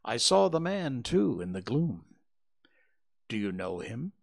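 A man's voice: medium pitch, big pitch swings, takes it slowly, creaky, full character voice. A man reading aloud, voicing an anxious, earnest young woman in a pleading, breathless way. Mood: eager.

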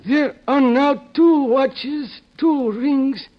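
Scared servile henchman, really high voice, slow halting broken english, old radio show. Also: exaggerated voice. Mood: deferential, explaining. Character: frightened, servile foreign henchman pleading for his life. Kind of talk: 1950s radio drama acting. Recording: dull lo-fi old radio recording.

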